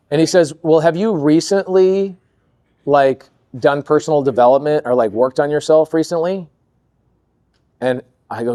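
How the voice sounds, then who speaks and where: A man telling stories as a guest on a podcast, lively and acting out quoted lines in other voices. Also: fairly high pitch, no echo, studio quality. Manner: animated storyteller, acts out quoted voices. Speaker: podcast guest, real estate investor. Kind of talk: storytelling interview chat.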